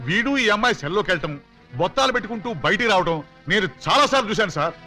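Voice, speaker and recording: The blustering head of a family of thieves who scolds and gives orders loudly. He talks fast in a high, lively voice that swoops around a lot. Music plays behind him on the film soundtrack. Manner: loud scolding and commanding.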